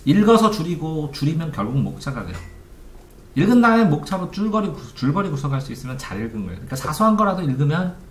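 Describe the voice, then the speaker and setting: A man's voice: on the high side, a bit bright, a little hiss or hum. A man giving an informal lecture on study methods as a coach, asking his listeners rhetorical questions. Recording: echoey room.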